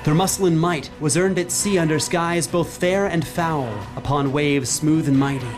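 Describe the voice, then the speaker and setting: Grandiose male fantasy narrator, fairly high voice. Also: fairly even intonation, music in the background. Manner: grandiose, measured storytelling. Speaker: game master and narrator. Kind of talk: scripted-sounding literary fantasy horror narration.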